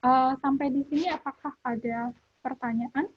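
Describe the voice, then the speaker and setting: A woman teaching a French lesson over a video call, pausing often with filler sounds. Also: high-pitched, steady tone. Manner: hesitant, many filler sounds. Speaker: French language tutor. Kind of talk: online lesson. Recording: dull lo-fi audio.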